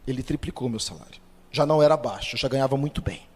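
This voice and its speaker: A man with a Brazilian Portuguese accent gives a spoken testimony as a preacher, telling his story with lively acted-out dialogue. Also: fast talker, slightly rough. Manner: storytelling, acts out quoted dialogue with shifts of pitch and loudness. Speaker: Catholic lay preacher. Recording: long hall reverb.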